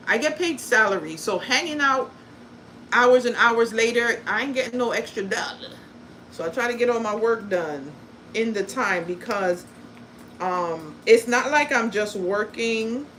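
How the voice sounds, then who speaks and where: A woman's voice: on the high side, expressive, unhurried, fairly bright tone, slight background noise, rough recording. A woman born in Guyana and raised in the US, hosting a casual crafting livestream, chatty and blunt, swearing freely and joking at her own expense. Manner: blunt and profane, chatty, self-deprecating. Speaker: crafting content creator and livestream host.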